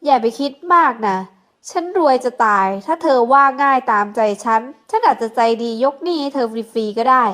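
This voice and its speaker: A woman's voice: high-pitched, lively intonation, normal speed, a bit bright. Woman reads spoiled rich young man, domineering and teasing, storybook lead. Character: rich hot-blooded bossy young man.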